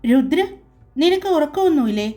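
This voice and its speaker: A woman voicing a concerned young male colleague in a storybook tale, speaking haltingly. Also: high voice, expressive, mellow, soft background music.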